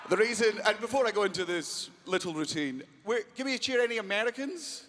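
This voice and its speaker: High-voiced brash stand-up comedian. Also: male voice, expressive, brisk, crowd noise, noisy background. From Britain. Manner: loud, brash, heavy swearing, bursts of shouting. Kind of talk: stand-up comedy to a live crowd. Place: live venue with a crowd.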